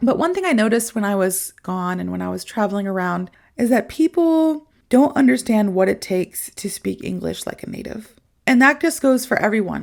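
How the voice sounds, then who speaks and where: Speaking with an American accent at a fairly quick pace, a woman uses a fairly high voice with very wide pitch swings. The recording is very clean, the background silent. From United States. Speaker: English teacher and podcast host. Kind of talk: casual podcast monologue. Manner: casual, filler-heavy.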